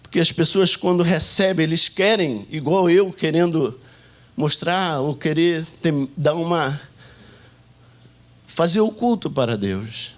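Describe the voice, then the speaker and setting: A Brazilian man preaching a Sunday sermon, telling stories and acting out shouts and prayers as he goes. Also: on the high side, a little slow. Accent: Brazilian Portuguese. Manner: animated storytelling, acting out shouts and quoted prayers. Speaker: pastor.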